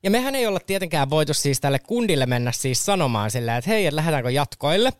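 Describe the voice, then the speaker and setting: A young man from Finland, co-hosting a podcast, telling a story in a lively, swear-filled casual chat with lots of fillers. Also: a little high, clean tone, no echo, studio quality. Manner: animated, swearing, many fillers. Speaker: podcast co-host.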